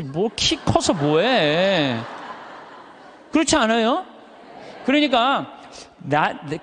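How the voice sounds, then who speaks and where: High, full-voiced male priest in a reverberant hall. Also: slight background noise. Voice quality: high but thick, full voice that carries. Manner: emphatic, uses rhetorical questions and stretched words for effect. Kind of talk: animated motivational sermon to a live audience. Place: large hall, speaking to an audience.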